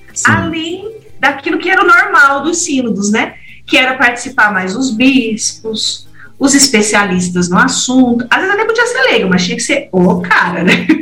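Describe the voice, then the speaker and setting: A woman speaks in a high, raised, projected voice with very wide pitch swings. Noticeable background noise and audible room echo fill the recording. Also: moderate pace. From southern Brazil, Paraná. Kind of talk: podcast interview on faith.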